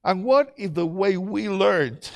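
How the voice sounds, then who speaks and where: A man's voice: sits high, lively intonation, slow pace, vocal fry. Engaging middle-aged male conference speaker. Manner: engaging, asks the audience questions. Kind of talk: conference presentation to teachers.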